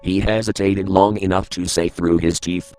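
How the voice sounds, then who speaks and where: A man with a very low voice reads a creepypasta horror story aloud. He keeps a steady, grave tone throughout, letting the dark events land plainly. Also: normal speed, faint music behind. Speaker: narrator.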